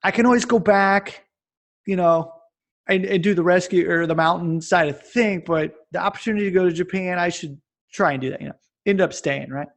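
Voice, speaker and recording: An American fitness coach in his forties who lives in Japan chats casually as an interview guest. His slightly high voice carries a gravelly fry, and he talks fairly quickly, telling animated stories while rambling and often restarting sentences.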